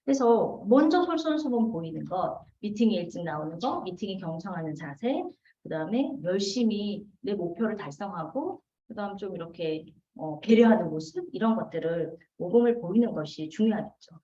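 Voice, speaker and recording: Brief Woman in her forties, seminar speaker, lively pitch, asks the room questions and answers them, heard from a distance in an echoey hall. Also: normal speed. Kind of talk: seminar lecture. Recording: roomy, distant, dull lo-fi hall recording.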